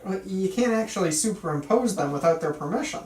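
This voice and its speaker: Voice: mid-range voice, lively intonation, brisk, a little mellow. A person reading a supporting part at an amateur script table read in a casual, questioning way. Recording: echoey room, distant from mic.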